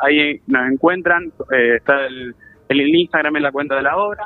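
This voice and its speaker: A man's normal speaking voice, with ordinary pitch variation and a fairly slow pace. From Argentina, San Lorenzo (Santa Fe). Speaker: stage actor and theatre teacher. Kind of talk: interview. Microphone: choppy connection.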